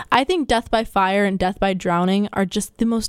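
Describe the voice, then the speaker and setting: A woman talks at a moderate pace and medium pitch in a normal speaking voice. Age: 20s. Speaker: college radio host. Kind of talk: casual chat. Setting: studio.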